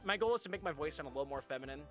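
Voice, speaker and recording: Male streamer, animated intonation, bright tone, casual live chat, game music underneath. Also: on the high side, very fast.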